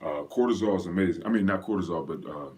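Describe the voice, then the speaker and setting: Low, husky, a little mellow, and quick-paced, this man hosts a casual live fitness Q&A. Raised in North Carolina though from Pennsylvania, he greets viewers by name in a slangy, chill way.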